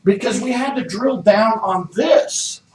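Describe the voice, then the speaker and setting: A man's voice: high-pitched, measured pace. A man leading a real estate training session, coaching the group with repeated questions. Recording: echoey room, mic far off.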